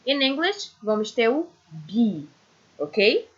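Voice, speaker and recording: A woman's voice: a little high, very animated, fairly bright tone. A woman with a Brazilian Portuguese accent, teaching a patient English lesson on letter sounds and checking in with "ok?" often. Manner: patient, repeats letters slowly, says "ok?" often. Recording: dull lo-fi recording.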